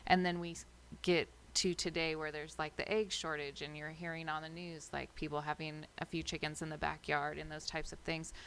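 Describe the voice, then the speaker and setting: American lady mayor running a meeting, really low voice, pretty flat, some noise in the room. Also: a little fast, few pauses. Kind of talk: public meeting remarks. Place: city council chamber.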